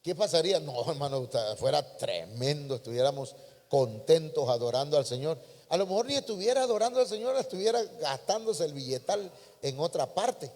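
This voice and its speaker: A man's voice: on the high side, lively intonation, fairly quick, darkish tone. A man preaching a folksy sermon, calling listeners brother. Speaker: pastor. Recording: long hall reverb.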